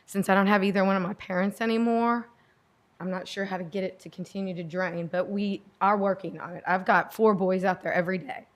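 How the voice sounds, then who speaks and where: A middle-aged woman with a loud voice giving informal testimony at a public meeting, earnest, defensive and rambling. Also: medium pitch, steady tone, brisk. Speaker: property owner addressing a board. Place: indoor public meeting room.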